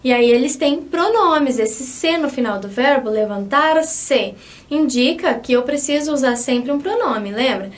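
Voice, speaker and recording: A Brazilian woman with a high voice and a Brazilian Portuguese accent gives an online Spanish lesson. She explains patiently and keeps checking in with her students. Her voice sounds a little distant from the mic. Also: expressive, measured pace. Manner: patient, checks in often with the class. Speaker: Spanish teacher.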